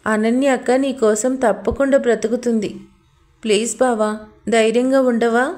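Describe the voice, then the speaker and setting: A woman voicing a caring young sister-in-law in an audio story, pleading gently. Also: on the high side, fairly even intonation, normal speed, close to an everyday voice.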